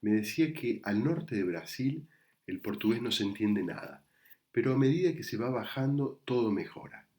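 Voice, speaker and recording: A man with an Argentine Spanish accent, a psychoanalyst giving a prepared talk recorded remotely in a measured, reflective way. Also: mid-range voice, expressive, a little mellow. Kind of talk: prepared lecture read to camera. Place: recorded remotely, not in the event hall.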